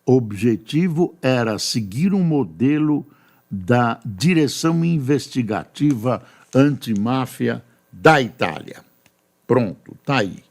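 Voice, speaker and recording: An older Brazilian man, a news anchor, reading newspaper stories aloud and adding chatty, unhurried remarks between them. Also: medium pitch, animated, a little mellow.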